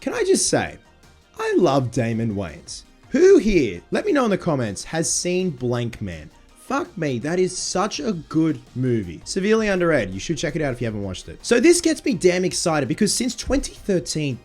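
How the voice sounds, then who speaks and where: A man in his thirties talking casually to camera, with a husky, congested voice from a sinus infection. He sounds excitable and swears casually. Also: a little high. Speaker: movie vlogger.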